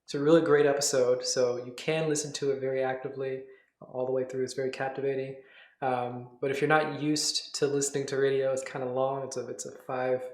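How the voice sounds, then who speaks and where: A man's voice: medium pitch, a little mellow. A man hosting a livestream, chatting casually as he introduces old radio shows. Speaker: livestream host. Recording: roomy, echoing voice recording.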